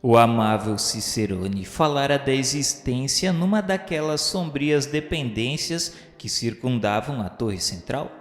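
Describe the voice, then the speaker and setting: A man reading a spiritist radio novel aloud in a formal, measured, grave manner. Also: medium pitch, roomy sound, in a large hall. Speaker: narrator. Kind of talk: solemn scripted narration of a spiritist radio novel.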